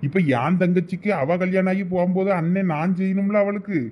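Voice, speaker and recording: A man's voice: high voice, fairly even intonation, fairly quick, a little mellow, lightly acted. A man voicing a patient, placating husband and big brother in a cartoon, coaxing in a Thoothukudi Tamil accent. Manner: coaxing, reasoning. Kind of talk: dialect cartoon family comedy dialogue.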